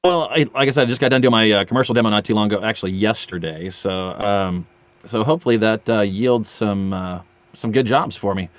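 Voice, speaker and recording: A man's voice: lowish voice, brisk, dry recording, highs cut off. A middle-aged man chatting casually as a podcast guest, a joking storyteller who acts out little quotes. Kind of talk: casual interview chat.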